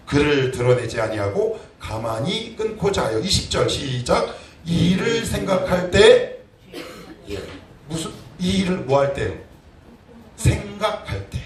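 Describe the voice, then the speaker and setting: A man's voice: on the high side, slight background noise. A man in his forties, a pastor preaching a conversational sermon full of rhetorical questions to his congregation. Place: church sanctuary. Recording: echoey church from a distant mic.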